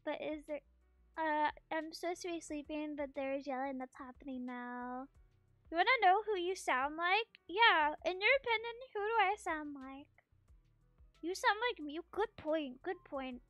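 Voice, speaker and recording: Very high-pitched, bright-voiced woman streamer. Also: expressive, measured pace, dry recording. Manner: playful, joking, talking to chat. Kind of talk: casual gaming stream chat. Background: faint background music.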